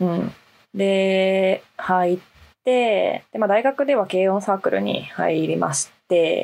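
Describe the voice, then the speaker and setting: A woman speaks with a Kansai accent. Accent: Kansai Japanese. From Kyoto, Japan. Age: 20s. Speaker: podcast co-host. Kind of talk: casual chat.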